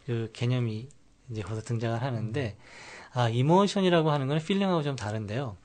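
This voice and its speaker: A middle-aged man, a pastor and family counselor, explaining calmly on a radio talk show with many fillers. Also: mid-range voice, a little fast. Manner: calm explaining, with many fillers and English loanwords.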